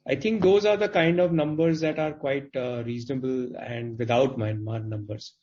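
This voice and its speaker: A man speaking as a company executive on an earnings call, explaining things in a halting, qualified way over conference audio. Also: mid-range voice, steady tone, darkish tone. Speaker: company executive answering investors' questions. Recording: dull, band-limited conference call audio.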